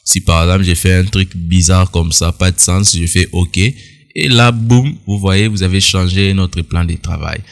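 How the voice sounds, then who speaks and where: Here a tutorial instructor walks viewers through a phone editing app, his low, steady voice unhurried and touched with vocal fry. His casual, explanatory style includes direct address to viewers and relaxed side comments.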